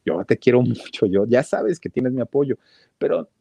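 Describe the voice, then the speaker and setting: A man voicing a gentle, worried mother advising her son. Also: medium pitch, expressive, moderate pace, creaky, slightly rough, no room sound, pitched above the performer's own voice. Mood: tender. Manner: tender, pleading.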